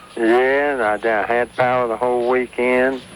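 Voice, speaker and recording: A man with a Southern US accent speaks at a medium pitch and a fairly slow pace, in a monotone, flat intonation. Noticeable background noise runs behind him. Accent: Southern US (Georgia). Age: 70s. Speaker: caller. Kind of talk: phone call to radio show.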